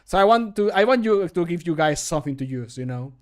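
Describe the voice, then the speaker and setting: Higher-voiced man chatting jokily on stream. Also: quick pace. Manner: jokey, chatty, animated, self-amused. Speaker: streamer and hobby game modder recording voice lines. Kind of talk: casual livestream chat. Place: small home room, indoors.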